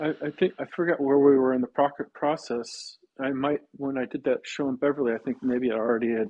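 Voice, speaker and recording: Speaking at a fairly quick pace, a man has a plain, everyday voice. His pitch is fairly high, with ordinary variation. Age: 60s. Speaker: rock musician and teacher. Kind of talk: casual interview conversation.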